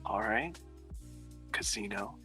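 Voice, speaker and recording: Laid-back American man with bright tone. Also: lowish voice, lively intonation, slow. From United States. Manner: easygoing, laid-back and joking. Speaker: guest. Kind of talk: casual chat. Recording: faint background music.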